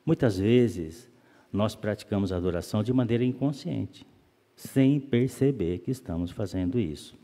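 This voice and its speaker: A man giving a calm, explanatory spiritist lecture, often asking rhetorical questions. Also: on the low side, normal speed. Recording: long reverb of a hall.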